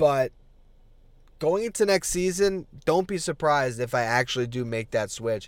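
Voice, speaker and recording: On a very clean recording with a silent background, a man with an ordinary speaking voice talks at a moderate pace, his pitch fairly high and his intonation lively. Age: 20s. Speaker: sports podcast host. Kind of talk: casual monologue. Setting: away from home, audio only.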